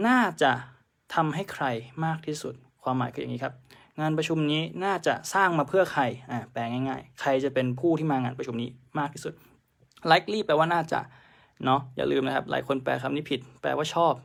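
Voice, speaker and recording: A man's voice: mid-range voice, brisk, gravelly. A man teaching a live-streamed exam prep lesson, chatting through answers and mixing English terms into his explanations.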